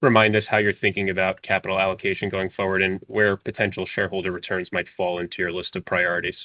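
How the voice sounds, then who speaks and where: A male analyst asks a formal question on a conference call. His voice is lowish and quick, with dry, slightly muffled audio. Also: level tone, dry recording. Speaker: financial analyst caller.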